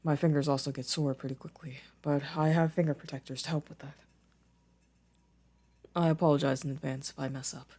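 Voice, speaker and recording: A man playing a gentle, introspective boyfriend in an intimate ASMR roleplay, soft-spoken with careful, formal wording. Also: a little high, flat delivery, fairly quick. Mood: modest, chatty. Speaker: audio roleplay voice actor.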